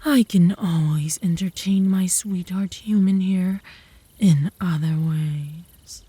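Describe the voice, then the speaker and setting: A woman voicing a flirtatious, obsessive werewolf woman in an ASMR roleplay, with a breathy, teasing drawl that often drops to a whisper, close to the mic. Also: on the low side, dark tone, dry recording, full character voice. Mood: possessive, seductive. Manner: slow, teasing, seductive drawl. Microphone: close ASMR microphone.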